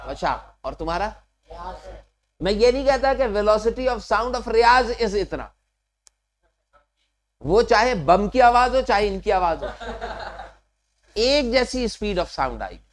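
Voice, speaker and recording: A man's voice: high voice, sing-song, slow pace, long pauses. A man teaching physics to a class, explaining step by step and often stopping to ask the students questions. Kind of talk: classroom lecture.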